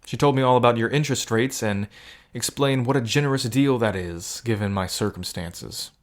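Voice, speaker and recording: A man's voice: mid-range voice, moderate pace, close to an everyday voice. A man playing an earnest, desperate bartender bluffing as a gambler, in naturalistic audio drama style. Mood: guarded, bluffing.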